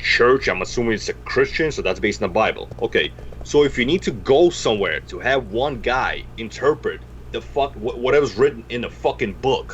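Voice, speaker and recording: A man with a slight Russian accent speaks at a fairly quick pace. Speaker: guest. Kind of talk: casual chat.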